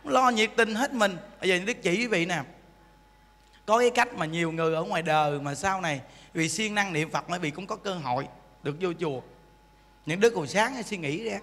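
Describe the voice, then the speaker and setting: A man giving an animated, joking dharma talk as a Buddhist monk teacher, acting out voices and quizzing the audience. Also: high-pitched, brisk. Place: temple hall. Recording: long hall reverb.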